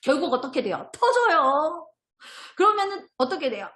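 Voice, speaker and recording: Animated high-voiced woman teacher trainer. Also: brisk, reverberant, slight background noise. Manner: animated, switches into acted child and teacher voices. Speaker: instructor training preschool teachers. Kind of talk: online curriculum training lecture. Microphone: video call.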